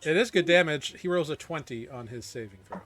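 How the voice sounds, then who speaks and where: A man running a tabletop game as game master, narrating casually in halting, improvised descriptions. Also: a little high, over music.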